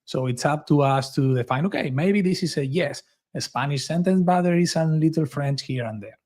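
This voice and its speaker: Man, non-native English speaker, tech webinar co-host, somewhat high voice, chatty, self-correcting. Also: normal speed, darkish tone. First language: not English. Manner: chatty, self-correcting, asks to be kept honest. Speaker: co-presenter. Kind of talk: technical webinar discussion.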